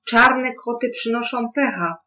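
A storyteller voicing a fussy, quick-tempered wind in a storybook read-aloud. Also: medium pitch, pushed and bright, voice pushed up. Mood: angry. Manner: blustery, scolding.

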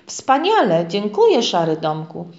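A woman's voice: mid-range voice, wildly swooping pitch, measured pace. A woman voicing a kindly, cheerful old witch who brews potions in a storybook. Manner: warm, cheerful, smiling. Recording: echoey, dull lo-fi room.

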